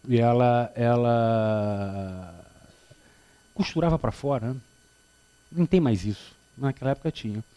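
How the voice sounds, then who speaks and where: Animated Brazilian man giving a spiritist talk. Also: on the high side. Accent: Carioca Brazilian Portuguese. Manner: animated, joking storyteller who acts out dialogue. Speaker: spiritist lecturer. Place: lecture hall before an audience.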